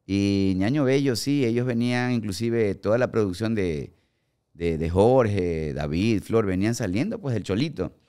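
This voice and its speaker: A man in his forties with an Ecuadorian accent, a guest actor telling animated stories in a podcast studio on a boom mic. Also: normal speed, smooth. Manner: animated storyteller acting out quoted remarks. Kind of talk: casual podcast storytelling. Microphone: studio mic on boom arm, headphones.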